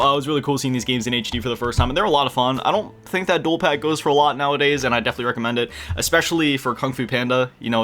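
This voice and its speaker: Fast-talking young man, bright voice. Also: medium pitch. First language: English. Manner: rambling, self-deprecating, quick asides. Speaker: gaming YouTuber. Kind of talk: casual game collection review.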